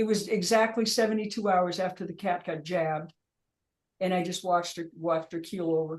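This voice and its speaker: A woman with a plain, everyday voice, medium pitch, fairly even intonation and a fairly quick pace. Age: 60s. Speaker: fine artist and abuse survivor. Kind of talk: casual chat.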